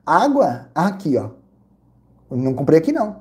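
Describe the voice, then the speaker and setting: A Brazilian man vlogging casually, telling an animated, repetitive story with lots of exclamations. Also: fairly high pitch, normal speed. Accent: Brazilian Portuguese. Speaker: vlogger reviewing credit card perks and hotels.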